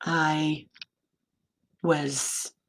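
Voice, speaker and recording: Hoarse woman minister giving a sermon. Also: low-pitched, flat delivery. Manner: gentle storytelling, slows and drops to near whisper for emphasis. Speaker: interim minister. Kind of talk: sermon talk.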